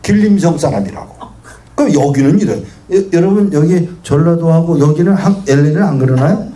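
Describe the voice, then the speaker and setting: A male guest pastor preaches to a congregation in an animated style, telling stories and putting questions to the audience. His voice sits on the high side and moves briskly, captured in an echoey hall with faint noise.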